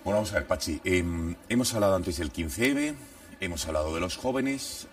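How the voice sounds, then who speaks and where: A man's voice: low voice, moderate pace, recorded from a distance. A man from Catalonia with a Catalan accent, hosting a talk show discussion and speaking in long, winding sentences. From Catalonia, Spain. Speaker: host.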